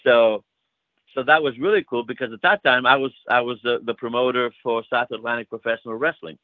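A man's voice: medium pitch, fairly even intonation, brisk, no echo. An older man with a Greek accent, a wrestling promoter, telling stories in a casual interview with lots of fillers. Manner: warm storytelling with frequent fillers. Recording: tinny phone line.

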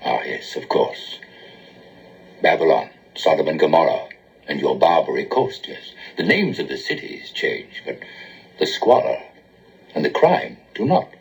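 An actor playing a grave male alien visitor who judges humanity, in a solemn, measured 1970s TV drama delivery. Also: a bass voice, sing-song, gravelly, exaggerated voice, rough recording. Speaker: space visitor.

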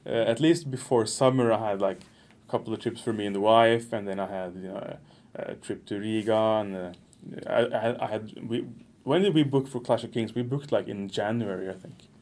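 A man's voice: on the low side, fairly quick, darkish tone. A man co-hosting a podcast in English, chatty and full of restarts, laughing often. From Norway. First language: Norwegian. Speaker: podcast co-host. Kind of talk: casual chat.

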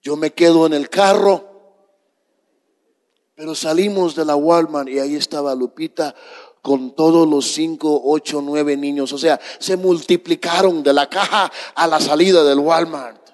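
A middle-aged man, a pastor, slowly telling a story in a sermon to his congregation. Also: on the high side, steady tone. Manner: slow, dramatic storytelling to a congregation. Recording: long reverb of a church hall.

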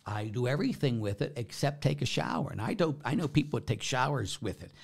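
This man, speaking as a Catholic priest, talks fast in a gravelly, husky medium-pitched voice with lively intonation. Conversational and emphatic, he offers informal religious teaching, fields questions, and keeps checking in with listeners.

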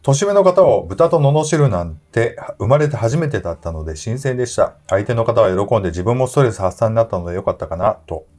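A man's voice: fairly low pitch, fast talker, few pauses. A man with a Kansai accent hosting a casual talk show, reading listener mail and teasing his co-hosts. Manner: animated, chatty, teasing. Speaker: podcast host.

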